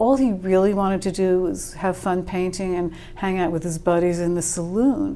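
A woman with a dark, mellow tone and medium pitch speaks at a moderate pace with ordinary pitch variation, hardly any pauses, and audible room echo. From New Jersey. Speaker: author and writers' association president. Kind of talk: interview. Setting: convention venue.

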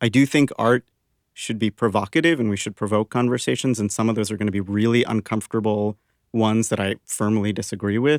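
A man with an American accent talks at a very fast pace in a fairly low pitch with fairly even intonation. The recording is very clean, dry and close, with no echo and a silent background. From US. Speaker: playwright. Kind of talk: panel discussion.

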